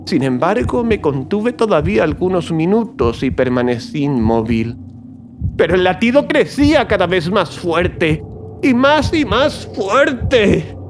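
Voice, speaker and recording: Casting: unhinged, gleeful killer narrating a horror audiobook, high-pitched and slow, erratic and theatrical. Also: male voice, sing-song, noisy background. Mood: feverish, agitated. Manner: theatrical, erratic swings, drawn-out emphatic words. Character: nervous, gleeful, mad male murderer confessing his crime. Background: music.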